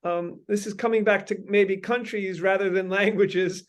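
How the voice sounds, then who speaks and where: A man hosting a meeting talks in long, winding sentences, pausing often on ums and uhs. His voice sits high and comes through smooth and resonant. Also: fairly even intonation. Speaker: host leading a meeting. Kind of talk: brainstorming meeting talk.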